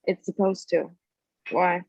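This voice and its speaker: Casting: determined female rebel leader, woman reading, mid-pitched, dry muffled audio. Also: little pitch movement, slow pace, vocal fry, a little mellow, no echo, heavily acted. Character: Ray, bold determined rebel woman leading a group. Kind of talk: table read of a screenplay.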